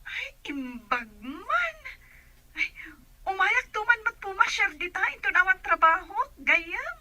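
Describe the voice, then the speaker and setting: A woman's voice: extremely high pitch, very animated, unhurried, very noisy, heavily acted. A woman with an Ilocano accent playing a chummy, cheerful friend in an audio drama.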